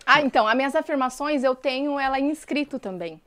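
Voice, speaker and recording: A young woman, a guest in a casual podcast chat, talking chattily with frequent restarts and bursts of excitement. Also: high-pitched, fast talker, no room sound, studio quality.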